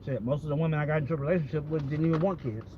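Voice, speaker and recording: A man's voice: a little high, very fast. American man rambling candidly, dull lo-fi audio. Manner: candid, profane, repeats himself. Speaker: vlogger. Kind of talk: casual rambling chat. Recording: dull lo-fi audio with background vehicle noise.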